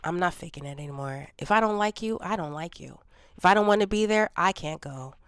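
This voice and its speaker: A woman in her forties speaks candidly to the camera in a personal vlog, her voice slightly congested from a cold. She sounds low on energy. Her voice is a little low, smooth and clear, recorded close in a dry room. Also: expressive, a little fast, a bit bright, no room sound. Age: 40s. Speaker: vlogger.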